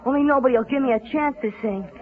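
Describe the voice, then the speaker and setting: A woman acts out a ragged little American newsboy, earnest and pleading. The voice is high and boyish in old radio drama style. The sound is tinny, from a 1940s broadcast. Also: fast talker, close to an everyday voice. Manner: earnest, pleading street-kid talk.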